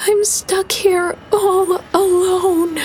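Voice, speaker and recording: A woman voicing a tormented, burned ghost woman who speaks in a high, quavering whimper. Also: flat delivery, drawn-out words, darkish tone, faint music behind, heavily acted. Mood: despairing.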